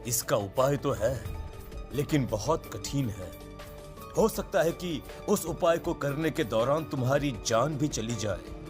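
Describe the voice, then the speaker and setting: A man playing a grave, foreboding Hindu priest in an animated horror story, solemn and commanding. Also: medium pitch, measured pace, over music, close to an everyday voice. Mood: ominous.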